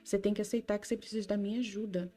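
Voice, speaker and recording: A woman speaking as Jesus, a gentle male divine figure, in a tender, reassuring way with her own voice. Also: medium pitch, fairly even intonation, rapid-fire, close to an everyday voice. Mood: consoling. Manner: tender, reassuring, addresses listener by name.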